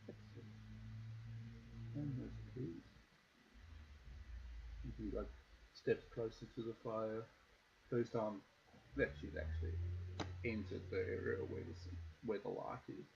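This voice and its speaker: South african guy running a tabletop game online, gravelly low voice, lots of ums. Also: measured pace, highs cut off, noisy background. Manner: relaxed, loose narration with many fillers. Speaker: game master.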